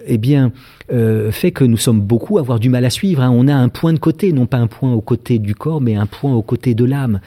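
A man in his sixties giving a reflective public talk, pausing often with filler sounds. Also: mid-range voice, warm tone. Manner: hesitant, many filler sounds.

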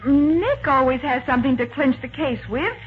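An American actress playing a bright, sympathetic detective's secretary in a 1940s radio crime drama, expressive and chatty. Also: female voice, high-pitched, moderate pace. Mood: bright, confident. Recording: muffled, noisy 1940s radio recording.

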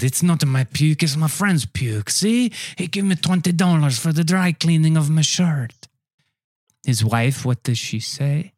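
A man's voice: on the high side, no echo, clean studio sound. A man playing a pompous French train waiter with a put-on French accent, drawling insults in an improv comedy scene. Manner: haughty, insulting, slow drawl.

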